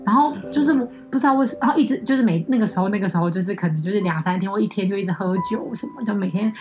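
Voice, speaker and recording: Young taiwanese mandarin woman, rambly casual chat, talks fast, soft music behind. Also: mid-range voice. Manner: rambling storyteller, many fillers and restarts.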